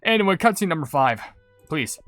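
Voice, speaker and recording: Animated, rambling male gaming commentator. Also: a little high, brisk, no echo, faint music behind. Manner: chatty, rambling. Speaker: gaming video host. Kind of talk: casual commentary, reading viewer comments.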